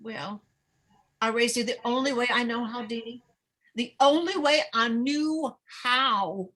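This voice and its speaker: Woman playing a fretful, bright-voiced small-town mother. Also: a little high. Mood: wounded, pleading. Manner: halting, stammering, rambling. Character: anxious, fretful middle-aged small-town mother, needy and defensive. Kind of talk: dramatic table read of a screenplay.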